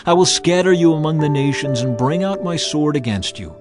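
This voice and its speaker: A man playing a stern, authoritative God in a dramatized scripture reading, speaking in a solemn, commanding, deliberate way. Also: a little high, lively intonation, music in the background, lightly acted. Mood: stern, threatening. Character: God of the Bible, stern, authoritative male lawgiver.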